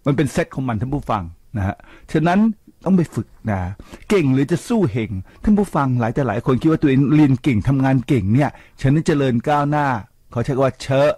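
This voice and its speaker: A man's voice: mid-range voice, fast talker, hardly any pauses, breathy edge, no echo. An older man hosting a radio talk show, lecturing listeners with rhetorical questions and sprinkling English words into his speech. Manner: lively, preachy, asks listeners rhetorical questions. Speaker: radio host. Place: radio studio. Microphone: studio microphone.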